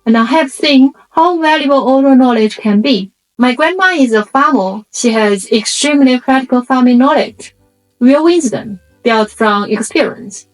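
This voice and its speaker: A woman from China with a Chinese accent and a Chinese dialect as her first language, narrating a reflective scripted video essay in measured, explanatory short phrases. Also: high-pitched, lively intonation, soft background music, rough recording.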